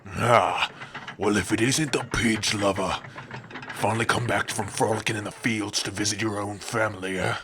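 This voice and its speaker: A man voicing a surly, taunting orc gate guard with a raspy, sneering delivery in an ASMR roleplay. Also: on the low side, steady tone, moderate pace, sharp tone, a little hiss or hum. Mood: mocking. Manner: sneering, blunt.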